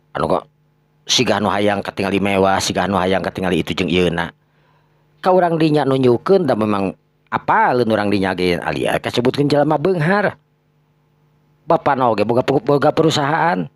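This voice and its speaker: A man tells a dramatic tale in a Sundanese accent. His natural register is deep and his narration is expressive, captured dry with almost no room sound. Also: no echo. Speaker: storyteller.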